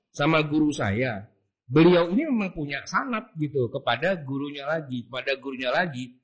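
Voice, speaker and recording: A man's voice: medium pitch, fairly bright tone, slightly rough. A man with an Indonesian accent giving a casual religious study talk, chatty and colloquial, full of rhetorical questions. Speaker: Islamic jurisprudence teacher.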